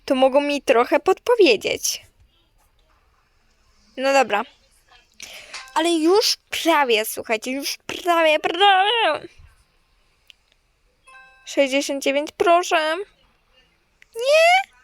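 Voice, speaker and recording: A woman's voice: sits high, sing-song, takes it slowly, pauses often, no echo. A young woman streamer commenting on her game and talking straight to her viewers, gushing and sometimes shrieking. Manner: gushing, talks to viewers, shrieks when winning. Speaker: gaming streamer. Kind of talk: excited gameplay commentary.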